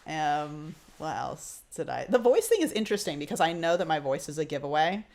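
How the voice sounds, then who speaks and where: Podcast co-host, trans man early on testosterone, high voice just beginning to drop, easygoing and laugh-prone. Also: big pitch swings, brisk, gravelly. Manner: upbeat, laughs often. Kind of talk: casual chat.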